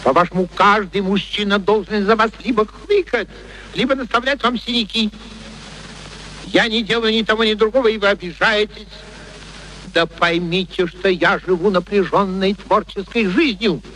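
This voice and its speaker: An actor playing an arrogant, cutting scholar in a radio play, declaiming and arguing with scorn. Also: male voice, high-pitched, normal speed, sharp tone, poor audio. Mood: scornful. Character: arrogant, self-absorbed male scholar, cutting and exasperated. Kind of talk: Soviet radio play acting. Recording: old radio play recording, faint noise.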